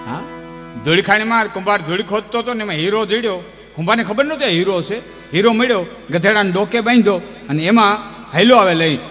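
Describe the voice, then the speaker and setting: A man telling folk tales on a live stage, lively and chuckling, chanting verses between the stories. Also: sits high, brisk. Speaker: folk storyteller. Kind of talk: folk storytelling with recited verse. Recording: long hall reverb with music behind.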